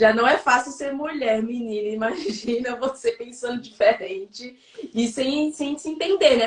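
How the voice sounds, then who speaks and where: This woman's fairly high-pitched voice moves at a moderate pace, with ordinary pitch variation. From Northeast Brazil, Recife, Pernambuco. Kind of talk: live interview conversation. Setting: online live stream.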